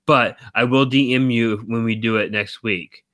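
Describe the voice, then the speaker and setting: A man hosting a live stream, talking in a rambling, teasing way with a deep baritone voice, very tired. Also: fairly even intonation, normal speed, a bit bright, no echo. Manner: rambling, teasing, laughs often. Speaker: stream host. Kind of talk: casual chat.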